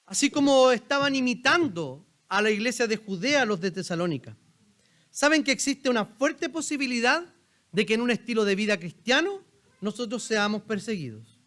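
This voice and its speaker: A man with a Chilean accent delivers a sermon from the pulpit of a church. His voice sits high for a man, and he keeps it conversational, firing questions at the congregation. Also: animated, normal speed, a bit bright. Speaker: pastor. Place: church sanctuary.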